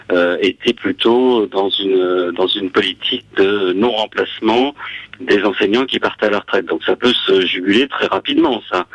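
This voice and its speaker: A man's voice: lowish voice, a bit bright, dry recording, poor audio. A man with a French accent from France, his voice electronically altered for anonymity, arguing in a radio interview with hesitations and repeated words. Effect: voice changer, electronically altered voice for anonymity. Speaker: interview guest, school inspector and author.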